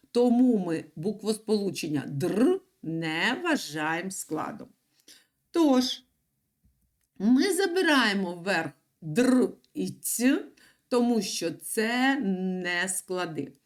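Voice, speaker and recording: A woman teaching young children an online reading and writing lesson, explaining patiently step by step. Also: medium pitch. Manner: slow, patient, lively sing-song explaining. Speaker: primary school teacher.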